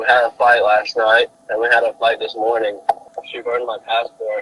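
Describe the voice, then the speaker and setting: Someone mumbles through noticeable background noise. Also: man, moderate pace. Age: 20s. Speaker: murder suspect. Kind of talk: phone call with police. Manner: soft-spoken; mumbling. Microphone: muffled, hard to hear.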